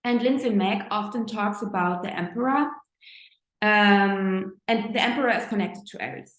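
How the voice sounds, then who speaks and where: A German native speaker with a German accent, working as an astrologer, gives a reflective spiritual talk and pauses to search for words. Her voice is mid-range, and the room is echoey.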